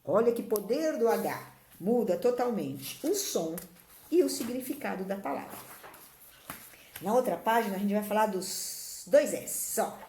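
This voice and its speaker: A woman's voice: medium pitch, expressive, measured pace, warm tone, echoey room, a little hiss or hum. A woman teacher with a Brazilian Portuguese accent, patiently going through spelling rules step by step in a recorded remote lesson.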